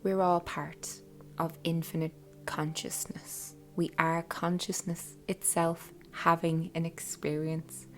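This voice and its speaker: Soft, low, breathy woman guiding meditation. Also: flat delivery. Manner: soft, breathy, half-whispered, unhurried delivery. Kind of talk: guided meditation, soothing scripted narration. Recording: soft music bed behind voice. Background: quiet background music.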